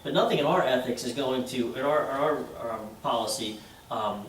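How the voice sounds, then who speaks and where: A man's voice: medium pitch, normal speed. Hesitant man chairing a council meeting. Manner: hesitant, many fillers, seeks agreement with "right?". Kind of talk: meeting discussion. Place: council chamber. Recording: roomy chamber audio from far off with faint hiss.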